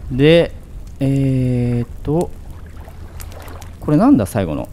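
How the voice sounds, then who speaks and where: A man's voice: mid-range voice, huge pitch swings, fast, mellow, slight background noise. A man giving casual horror game commentary, thinking aloud and asking himself questions. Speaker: gaming commentator.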